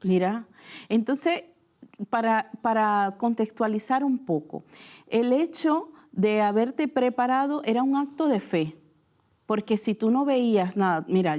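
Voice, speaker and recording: A woman from Venezuela with a Venezuelan accent, hosting a Christian TV talk show in a studio and asking questions in a conversational way. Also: mid-range voice. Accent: Venezuelan Spanish. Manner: warm conversational questioning, frequent "mira". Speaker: host.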